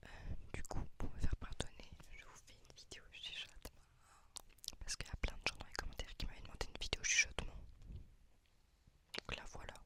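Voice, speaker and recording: The speaker whispers at a fairly quick pace. Long, frequent pauses break it up. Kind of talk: casual talk to camera. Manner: whispered.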